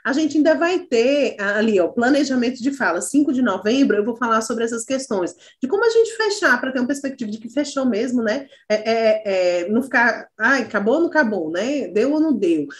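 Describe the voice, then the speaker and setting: A woman's voice: fairly high pitch, expressive, brisk, few pauses. A woman teacher giving encouraging feedback to students in an online class, speaking over a video call and thinking aloud with fillers.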